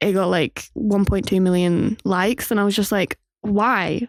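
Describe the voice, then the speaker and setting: Here a woman speaks at a medium pitch with fairly even intonation. The sound is dry and close, with no echo. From England. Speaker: TikTok dancer. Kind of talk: casual chat.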